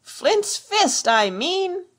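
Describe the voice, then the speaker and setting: A woman's voice: very high voice, sing-song, very slow, a bit bright, voice pushed up, exaggerated voice. A woman voicing a furious, commanding old blind pirate, roaring out urgent orders and curses in an audiobook adventure story. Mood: roaring, impatient.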